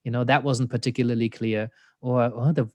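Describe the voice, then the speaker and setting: A man with a German accent, speaking in a mid-range voice as a thoughtful interview guest. He muses aloud, laughs easily and fills pauses with "you know." The sound is close and dry, with no room around it. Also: mid-range voice, fairly even intonation, no room sound. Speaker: existential coach, interview guest. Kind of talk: reflective conversational interview.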